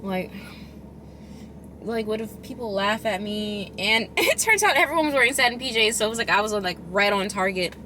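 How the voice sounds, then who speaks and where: A woman chatting casually as a food vlogger, chewing while she talks, rambling and expressive with emphatic delivery. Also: medium pitch, brisk, slight background noise. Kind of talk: casual chatty eating vlog.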